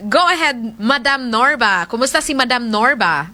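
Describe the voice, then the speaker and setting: A woman's voice: fairly high pitch, animated, normal speed. A woman hosting a call-in radio show, chatty and playful as she reads out listener greetings. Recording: music bed playing loudly behind.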